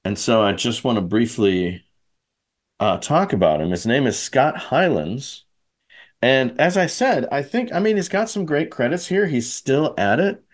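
A man's voice: medium pitch, animated, measured pace. A man hosting a podcast in casual chat, talking hesitantly with many fillers. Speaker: podcast host.

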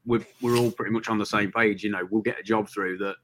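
A man's voice: fairly low pitch, fairly even intonation, fast, fairly bright tone. A man with a broad Yorkshire accent chatting casually and bantering as a podcast guest. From Yorkshire, England. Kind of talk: casual chat.

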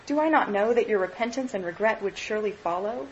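A gentle young woman speaks softly but steadily, sorrowful , as a woman reads her lines aloud. Her pitch sits in an ordinary middle range. A faint room ambience lies underneath. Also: fast talker, dull audio, a little hiss or hum, natural voice. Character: grieving young woman releasing her fiancé.

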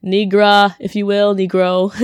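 A young woman, a college student, telling a story in casual chat, her voice deeper than usual and a bit congested, with lots of "like" and acted-out quotes. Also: slow, clean tone, no echo, studio quality. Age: young adult. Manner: chatty, animated, lots of "like", acts out quotes.

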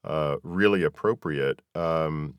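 Male podcast interviewer, very low voice, tentative conversational phrasing, dry recording. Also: slow, smooth, no room sound.

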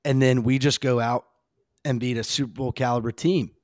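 A man with a slightly hoarse voice hosting a casual, rambling, emphatic fan talk on a sports podcast. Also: medium pitch, fairly even intonation, moderate pace, no room sound, clean studio sound.

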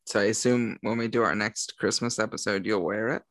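A young man co-hosting a podcast, joking through quick, casual banter over a call. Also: lowish voice, steady tone, a bit bright, dry recording. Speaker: podcast co-host. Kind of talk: casual chat.

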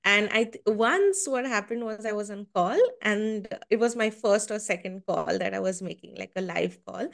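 A woman's voice: mid-range voice, normal speed, creaky, few pauses. Young woman guest in her twenties, chatty, acts out quotes in her stories. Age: 20s. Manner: animated storytelling, acts out quotes. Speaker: podcast guest. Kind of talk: casual interview chat.

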